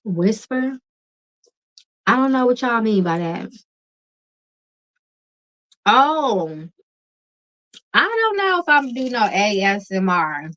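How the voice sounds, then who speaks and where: A woman hosting a late-night tarot livestream, chatting casually with viewers in a relaxed, calming voice and laughing often. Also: fairly high pitch, slow, long pauses, low-quality recording. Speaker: tarot reader and livestream host.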